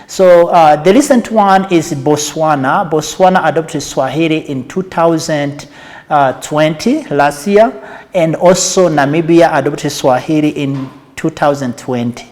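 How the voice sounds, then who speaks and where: A man's voice: on the high side, unhurried, a little mellow. A man speaking as an interview guest and advocate, explaining methodically, point by point. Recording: echoey hall-like reverb.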